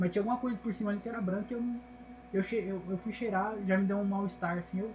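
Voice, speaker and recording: A man's high voice at a very fast pace, broken by long, frequent pauses, over noticeable background noise. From São Paulo, Brazil. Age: 20s. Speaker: podcast host and comedian. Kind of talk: casual solo monologue. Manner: animated. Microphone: poor audio quality.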